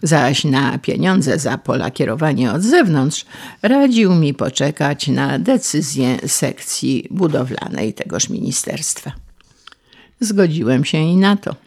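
A man narrating a humorous story in an audiobook, measured and wry. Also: a little high, lively intonation, creaky, darkish tone.

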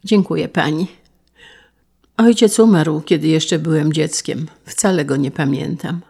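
A shy orphaned schoolboy, as an audiobook reader plays him, hesitant and earnest, at times stammering. The voice sits slightly higher than the plain narration and keeps a gravelly texture. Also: a little slow, dark tone. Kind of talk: audiobook character reading.

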